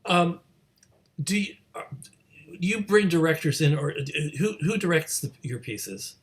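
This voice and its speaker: A man interviewing in a conversational way, halting and stammering over the starts of his phrases. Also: fairly high pitch, animated. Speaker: interviewer, event host.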